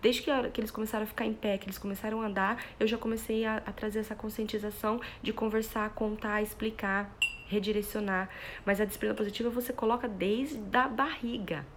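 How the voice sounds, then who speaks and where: A woman gives a live talk to parents as a parenting educator, in a voice of middling pitch. She works through everyday examples and keeps checking in with her listeners. A faint hum sits behind her phone mic. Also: steady tone, fast.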